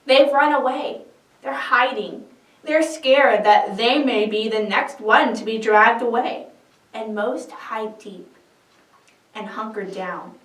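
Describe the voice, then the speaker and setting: A woman reading a scripted dramatic scripture narration as an expressive storyteller. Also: on the high side, slow pace. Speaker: dramatic reader. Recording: echoey room, distant microphone.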